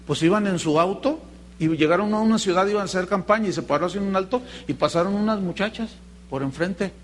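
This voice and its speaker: A male pastor preaches in an animated storytelling manner. His voice sits fairly high, and he slips into other people's voices when he quotes them. A faint hum runs under the recording. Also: quick pace. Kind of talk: sermon with acted anecdotes.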